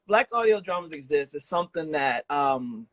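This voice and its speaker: A man's voice: fairly high pitch, sing-song, measured pace, fairly bright tone, dry recording. A man hosting a casual podcast interview, talking in an informal, enthusiastic and affirming way. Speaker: podcast host interviewing a guest.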